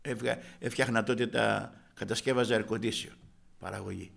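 A man's voice: lowish voice, fairly even intonation, gravelly, a bit bright. An older man preaching a sermon, vividly telling his own story and calling the congregation brothers. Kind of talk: sermon with personal testimony.

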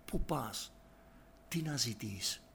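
A man preaching a sermon, moving from soft, hushed prayer to loud, impassioned exhortation. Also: medium pitch, expressive, gravelly, a little hiss or hum.

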